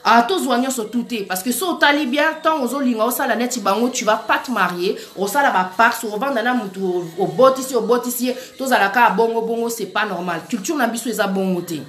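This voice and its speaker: A woman's voice: a little high, a little fast, hardly any pauses, a bit bright. A woman giving an earnest, urgent preaching-style talk, speaking straight to her listeners as sisters and brothers. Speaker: Christian speaker. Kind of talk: exhortative preaching-style monologue. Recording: echoey room with faint music. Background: faint background music.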